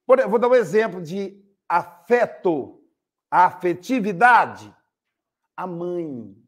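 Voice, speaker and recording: High-voiced older Brazilian man giving a spiritist talk. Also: a bit bright. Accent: Brazilian Portuguese. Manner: storytelling with acted quotes. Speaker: spiritist speaker.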